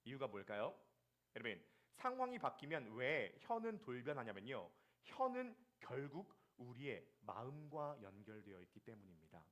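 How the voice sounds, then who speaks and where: A man preaching a Sunday sermon as the church's pastor, telling stories with acted asides. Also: medium pitch. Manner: lively storytelling with acted asides.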